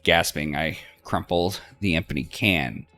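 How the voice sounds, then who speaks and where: A man reading a visual novel aloud as expressive first-person narration for a let's play. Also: low voice, slow, soft background music. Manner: acts out dialogue between narrated passages.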